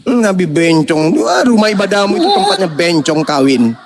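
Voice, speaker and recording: A man's voice: sits high, wildly swooping pitch, normal speed, noisy background. A man, hosting a heated livestream debate, mocking and scolding with bursts of laughter. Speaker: debate host.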